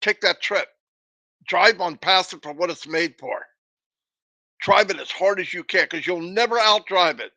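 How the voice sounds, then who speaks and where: A man's voice: high-pitched, normal speed, sharp tone, no room sound. A man hosting a motivational livestream, emphatic and repetitive, with a runny nose and a cough. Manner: emphatic, repetitive, preachy pep talk. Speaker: livestream host.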